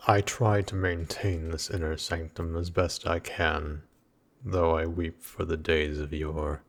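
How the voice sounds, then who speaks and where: Man playing a very deep, gravelly earthen knight. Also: little pitch movement. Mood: mournful, solemn. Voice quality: gravelly, husky. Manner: archaic, formal, menacing, slow. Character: last earthen knight, grim weary guardian of a goddess. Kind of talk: dramatic audio roleplay acting.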